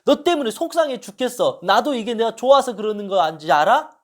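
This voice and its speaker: A man's voice: high voice, big pitch swings, normal speed. A man voicing an anxious, controlling middle-aged mother who scolds and insists in a raised voice during a talk. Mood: exasperated.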